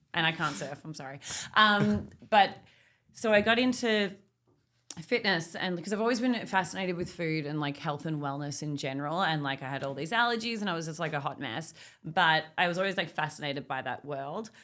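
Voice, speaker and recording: A woman with an Australian accent talks at a fairly quick pace in a fairly low voice with a bright, sharp, animated tone and lively intonation. The recording is very clean, with a silent background. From Australia, Melbourne. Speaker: fitness trainer. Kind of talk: casual chat.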